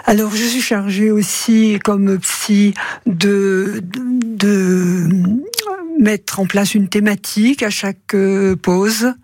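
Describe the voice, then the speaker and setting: A woman psychologist talks slowly on a radio program. Her voice is a little husky and the sound is dry and close. She hesitates, filling gaps and restarting her phrases. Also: medium pitch, steady tone, darkish tone, dry recording. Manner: hesitant, many fillers and restarts. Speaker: psychologist at caregiver respite group. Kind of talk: radio interview guest.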